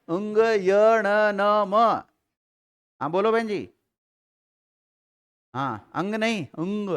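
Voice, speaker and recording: A Hindi grammar teacher with a Rajasthani Hindi accent runs a live class, calling on students and making them repeat letters one by one. He speaks very slowly and deliberately. His voice sits a little high for a man. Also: fairly bright tone, clean tone.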